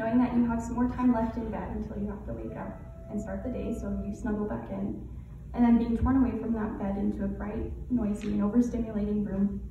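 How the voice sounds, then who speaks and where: A woman speaks at a very fast pace amid noticeable background noise and audible room echo. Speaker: pediatric occupational therapist. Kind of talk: personal speech to an audience. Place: hall.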